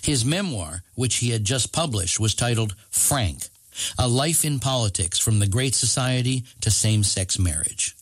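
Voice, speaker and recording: An American man narrates from a script as a radio host. His pitch is average for a man, and the sound is close and dry, with no room on it. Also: animated, moderate pace, breathy edge, no echo.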